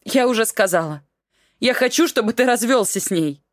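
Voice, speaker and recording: A woman's voice: a little high, lively intonation, normal speed, no echo, studio quality, pitched above the performer's own voice, close to an everyday voice. A woman voicing a heartbroken middle-aged wife who cries and pleads in a raised voice. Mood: distraught.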